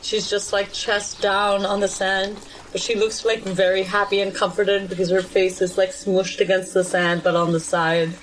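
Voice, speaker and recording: A woman playing a tabletop role-playing game, describing her character in a casual, expressive, improvised way. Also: medium pitch, normal speed, few pauses, poor audio.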